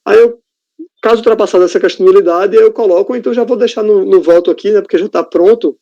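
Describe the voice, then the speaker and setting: A man with a Brazilian Portuguese accent, a reporting judge on a tax appeals board, reads out a formal legal ruling and keeps halting on fillers and restarts. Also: sits high, creaky, dark tone, no echo. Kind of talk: formal legal reading with spoken asides. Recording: dull, lo-fi, dry audio.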